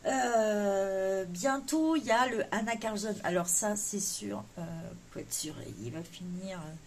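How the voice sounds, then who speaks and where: A woman's voice: mid-range voice, measured pace, darkish tone, a little hiss or hum. A woman vlogger chatting casually about her wish list, with many hesitant fillers. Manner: jokes about her English accent. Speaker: coloring vlogger. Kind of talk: casual chat.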